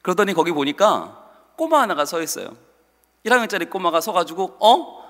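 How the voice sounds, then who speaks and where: Animated high-voiced male pastor preaching. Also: brisk. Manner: animated, acts out quotes. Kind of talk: sermon storytelling. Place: church sanctuary. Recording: reverberant church sanctuary.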